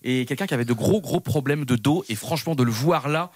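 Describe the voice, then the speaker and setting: Excitable male football pundit. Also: medium pitch, no echo. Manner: excitable, nostalgic, rapid outbursts. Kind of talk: excited sports radio banter.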